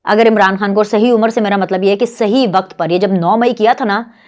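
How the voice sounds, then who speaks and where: A woman's voice: medium pitch, brisk. A woman in her thirties with a Pakistani Urdu accent, hosting her own show and delivering a heated, mocking political monologue. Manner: scornful, mocking, animated. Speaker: political commentary show host.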